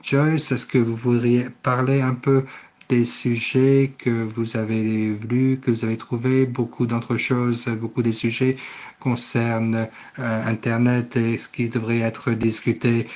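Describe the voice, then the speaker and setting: A man interpreting a conference session live, speaking haltingly and often correcting himself. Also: mid-range voice, flat delivery, darkish tone. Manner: halting delivery with self-corrections. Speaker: simultaneous interpreter.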